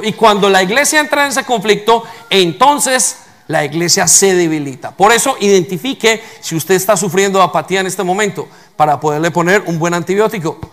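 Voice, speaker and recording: A man's voice: sits high, a bit bright. A man preaching a sermon as pastor, emphatic, putting rhetorical questions to the congregation.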